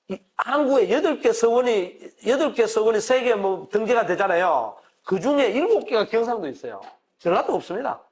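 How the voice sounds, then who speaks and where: A middle-aged man from the Gyeongsang region, with a Gyeongsang accent, giving a classroom lecture and questioning his audience conversationally. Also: sits high. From Gyeongsang region of Korea. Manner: conversational, asks the audience questions and answers them. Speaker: university professor lecturing.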